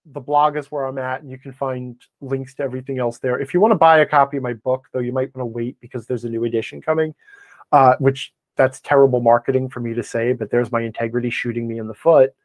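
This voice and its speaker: An American man chatting casually as a podcast guest, rambling and self-deprecating, with an animated, ranting way of talking. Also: mid-range voice, fast talker, dry recording. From Wisconsin, United States. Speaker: podcast guest, blogger and game designer. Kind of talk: casual interview chat.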